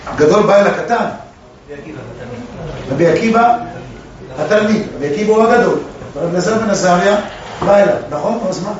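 A very high-voiced man gives a Torah lesson to a class, animated and full of questions. The recording is echoey and dull, picked up from across the room. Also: long pauses, a crowd in the background. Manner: animated, asks the class questions and acts out dialogue. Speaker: Torah teacher. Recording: echoey room, distant mic, dull lo-fi sound.

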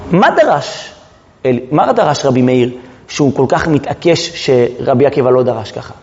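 A man's voice: mid-range voice, expressive, gravelly, darkish tone, a little hiss or hum. A man teaching a Talmud lesson as a rabbi, retelling the story dramatically and firing rhetorical questions at his listeners. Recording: reverberant hall, dull lo-fi sound.

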